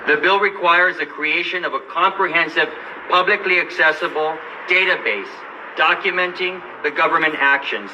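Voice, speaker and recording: Earnest man giving a formal speech. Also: fairly high pitch. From Los Angeles. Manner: measured, earnest delivery. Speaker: lawyer and advocate. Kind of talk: formal speech at a press event. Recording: distant mic with light background noise.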